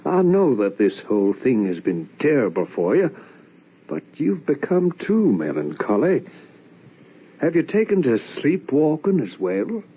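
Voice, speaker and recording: An actor playing an anguished, probing young son in an old-time radio drama, with earnest, theatrical, questioning delivery. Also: male voice, medium pitch, huge pitch swings, unhurried, husky, full character voice. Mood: worried, gentle. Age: young adult. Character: anguished, probing young adult son narrating a ghost tale. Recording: dull, lo-fi old radio recording.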